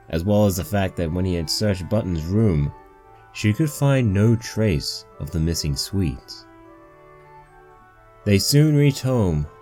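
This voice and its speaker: Male story narrator, deep and soft-edged, scripted read. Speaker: narrator of a fan fiction reading.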